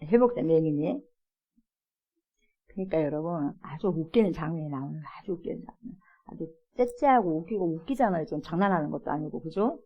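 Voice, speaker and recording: A woman pastor giving an early-morning prayer sermon in a church, animated, acting out quoted voices and laughing often. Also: sits low, fairly quick, muffled recording.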